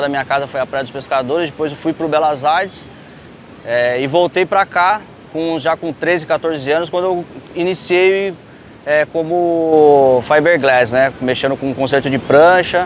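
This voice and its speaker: A man talks at a moderate pace. His pitch varies in an ordinary way, and noticeable background noise can be heard. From Brazil, Itanhaém, São Paulo coast. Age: 40s. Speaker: surfboard repairer. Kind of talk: interview testimony.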